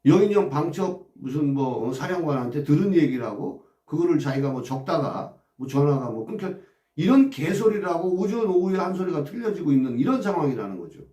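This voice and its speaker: Agitated high-voiced man, echoey distance. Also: very animated, a little fast, dark tone. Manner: agitated, rhetorical, crude insults, repeated "어?" asides. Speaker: political commentary broadcaster. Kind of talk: impassioned political commentary monologue.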